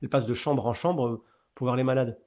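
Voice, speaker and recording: A middle-aged man, a priest, giving a webinar talk about his own experience, telling it in an animated way with fillers and repeated words. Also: quick pace. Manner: animated storyteller with sudden rises in pitch and loudness.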